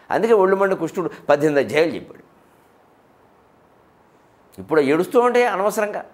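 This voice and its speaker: A man giving an emphatic public lecture on literature and culture, firing rhetorical questions and mimicking others as he goes. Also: on the high side.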